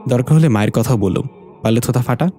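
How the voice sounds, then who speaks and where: A mischievous young prankster with a smug, cheeky comeback for everything, voiced by a male storyteller. His voice is mellow, and it sits slightly higher than the narration. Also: quick pace, soft background music, lightly acted.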